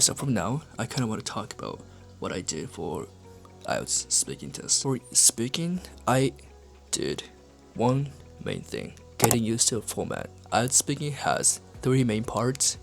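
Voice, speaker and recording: A young man with a Japanese accent talks to his viewers in a low, gravelly voice. His pitch swings lively up and down as he stops, restarts and checks in with "right?". Faint music plays underneath. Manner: halting, filler-heavy, asks "right?" often. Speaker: English-learning YouTuber. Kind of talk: casual vlog talk to camera.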